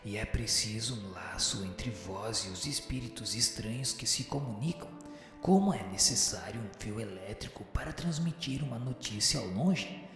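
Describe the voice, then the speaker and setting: A man voicing a wise, patient spirit teacher in a radio drama, answering in a formal, didactic, measured way. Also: fairly low pitch, expressive. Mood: patient, instructive. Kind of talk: scripted radio drama reading of a spiritual text. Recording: very echoey hall-like reverb with music behind.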